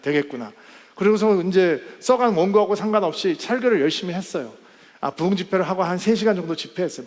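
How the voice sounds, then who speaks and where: A male pastor telling a story in a sermon, animated and acting out the quoted voices. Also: high voice. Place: church sanctuary. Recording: church hall with long reverb.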